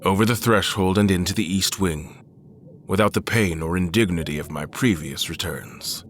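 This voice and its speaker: A man playing a grave, determined admiral in an audio horror drama, speaking in a measured, formal, solemn way. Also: deep voice, slight background noise, natural voice. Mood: brooding. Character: Admiral Beckett, grave, determined father trapped in haunted manor. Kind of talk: audio horror drama, first-person narration.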